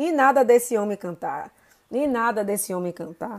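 With an animated tone, a woman talks in a fairly high voice. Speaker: series review vlogger. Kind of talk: casual monologue.

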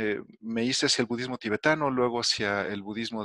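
This man speaks at a fairly quick pace in a medium pitch, his tone bright and sharp. The sound is dry and close with no echo, on a very clean recording with a silent background. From Mexico. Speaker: meditation teacher. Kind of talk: interview.

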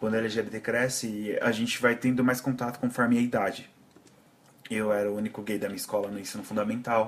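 A man with a São Paulo accent talks at a fairly quick pace with monotone, flat intonation. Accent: Paulistano Brazilian Portuguese. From Brazil, São Paulo city. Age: 20s. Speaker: podcaster. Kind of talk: personal storytelling monologue.

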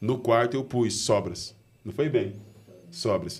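This man talks at a very slow pace, his pitch varying in an ordinary way. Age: 40s. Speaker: founder of a ride-hailing app, former homeless man. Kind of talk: interview, life story.

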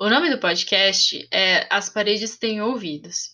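A woman talks fairly slowly in a fairly high pitch. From Brazil, São Paulo. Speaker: podcast host and Portuguese teacher. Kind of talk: language-learning monologue. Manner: slow, clear.

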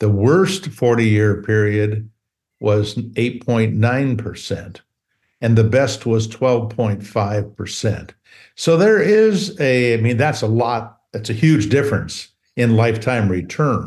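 Somewhat breathy and at a very slow pace, a man speaks with ordinary pitch variation. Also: medium pitch for a man. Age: 80s+. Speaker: investment educator, foundation founder. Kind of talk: casual chat. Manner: halting, frequent fillers.

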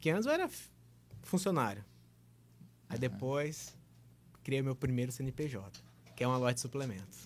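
Somewhat breathy, a man speaks at a medium pitch with ordinary pitch variation. His pace is moderate, broken by long, frequent pauses. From Recife, Brazil. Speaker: entrepreneur and lawyer. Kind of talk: casual podcast interview.

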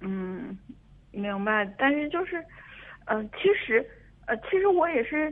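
A high-pitched woman with very wide pitch swings, a very slow pace and long, frequent pauses. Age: 30s. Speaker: caller, stay-at-home mother. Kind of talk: phone-in advice call. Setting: phone call. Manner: halting, many fillers.

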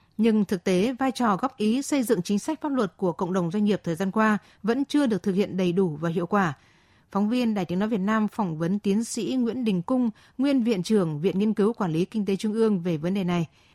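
A woman with an unremarkable speaking voice talks at a fairly quick pace and medium pitch, with ordinary pitch variation and very even loudness. The sound is dry and close with no echo, and the background is quiet. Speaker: radio news presenter. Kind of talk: news reading. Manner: formal.

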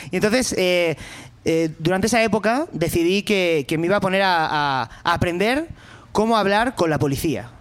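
Moving at a moderate pace, a man with a high pitch uses lively intonation. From Catalonia, Spain (Badalona). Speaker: comedian. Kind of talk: storytelling.

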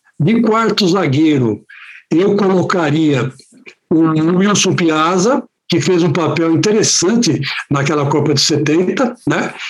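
Speaking at a very slow pace, a man with a high pitch keeps his loudness very even and his pitch variation ordinary. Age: 60s. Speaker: sports journalist. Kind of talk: casual chat.

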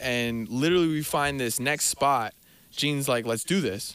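This man talks in an American accent. The rise and fall of his pitch is ordinary. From Pennsylvania, Reading, Berks County. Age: 20s. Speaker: podcast host. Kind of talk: casual chat.

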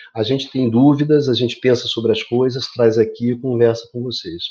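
This is an ordinary speaking voice at a moderate pace. The intonation is fairly even. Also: man. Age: 60s. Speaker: political commentator. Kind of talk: casual chat.

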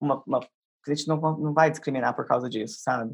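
A woman's very deep, low voice at a fairly quick pace, with fairly even intonation. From Brazil, Minas Gerais (Uberlândia). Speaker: tech program manager. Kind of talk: interview.

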